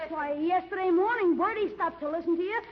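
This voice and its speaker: A woman's voice: very high-pitched, brisk. A woman voicing an eager, cheeky young boy with chirpy, boyish talk in 1940s radio comedy style. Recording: hissy, muffled old radio broadcast.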